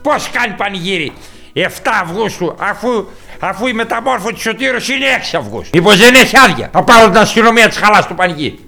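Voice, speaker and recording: A man's voice: high voice, big pitch swings, creaky, sharp tone, soft background music, heavily acted. A man playing a blunt, boastful rural uncle with a rural Epirus accent, who swears freely and tells tall tales in an improvised comic monologue. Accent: rural Epirus Greek. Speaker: comic character reacting to videos.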